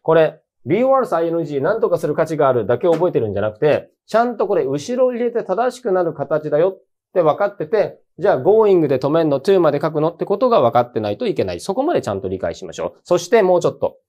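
A man's voice: on the high side, very animated, quick pace, mellow, highs cut off. A man teaching an English grammar lesson for university entrance exams, talking in a casual, emphatic, colloquial way. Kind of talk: casual exam-prep lecture.

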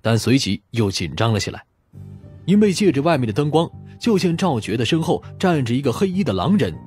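A man narrates a crime story in a dramatic, scripted style. His mid-range voice moves freely up and down. Soft music plays faintly behind him. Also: medium pitch, big pitch swings, brisk. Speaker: audiobook narrator.

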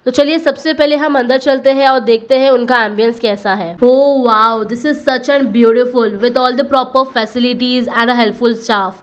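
A woman's voice: fairly high pitch, steady tone, slow, hardly any pauses, dull audio. An Indian woman vlogger narrating a scripted voice-over, switching between Hindi and English phrases. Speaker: vlogger reviewing a salon.

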